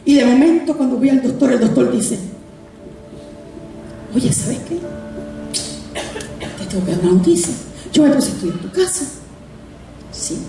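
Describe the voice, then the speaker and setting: A woman's voice: on the high side, a little hiss or hum. A woman pastor giving a testimony sermon, acting out her conversations with God. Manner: animated, acts out dialogue with God. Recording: echoey hall, distant mic, music.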